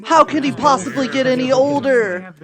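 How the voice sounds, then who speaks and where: A woman chatting casually while roleplaying in a social VR game, with a drawn-out, playful delivery. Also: high voice, crowd noise. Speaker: roleplay streamer.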